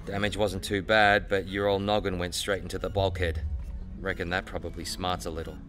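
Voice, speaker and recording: Folksy, loyal crewmate, very deep voice, casual understatement, faint music. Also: male voice, little pitch movement, brisk, a bit bright. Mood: dry, friendly. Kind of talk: audio drama acting.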